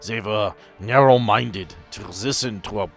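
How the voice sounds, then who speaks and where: A man's voice: on the low side, unhurried, faint music behind. A man voicing an unrepentant, courteous old German scientist in a tabletop game, with formal, rambling speech. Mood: proud, bitter. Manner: formal, rambling, tagging questions with "yes?" and "right?".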